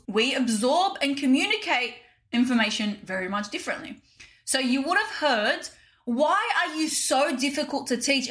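Woman, 30s, solo podcast host, direct and chatty, bright tone. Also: high-pitched. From Australia. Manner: chatty, direct, addresses listeners as "you guys". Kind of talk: casual solo podcast talk.

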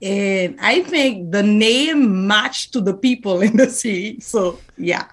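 A woman in her thirties from Haiti, a podcast guest speaking haltingly with simple phrasing and shy laughs. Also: medium pitch, lively intonation. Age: 30s. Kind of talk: casual podcast interview.

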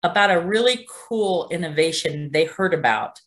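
A woman's voice: fairly low pitch, lively intonation, normal speed. A woman hosting an online panel over a video call, encouraging each speaker. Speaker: panel host and organizer.

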